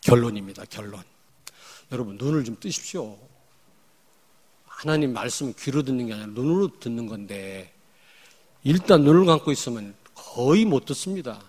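A male pastor preaching a sermon, emphatic, jumping from loud outbursts to quiet asides. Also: medium pitch, animated, normal speed, pauses often, big-room sound. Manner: acts out angry confrontations in quoted speech. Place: church.

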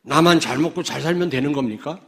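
A man from Chungcheong preaching a sermon, swinging between loud declarations and low asides to the congregation, with many rhetorical questions. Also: quick pace. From Chungcheong, South Korea. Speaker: pastor.

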